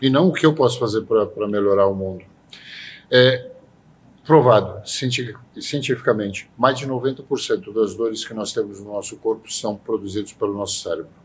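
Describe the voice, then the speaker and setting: A man's voice: lowish voice, a little fast, a little hiss or hum. A man on a podcast panel who explains ideas with restarts and rhetorical questions. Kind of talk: casual podcast discussion.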